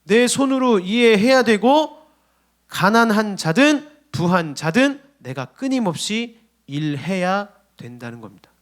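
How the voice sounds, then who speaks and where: Brief: young male pastor, higher-pitched voice, animated sermon to a youth service. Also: a little slow. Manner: lively, storytelling preacher addressing youth. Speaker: junior pastor. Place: church sanctuary.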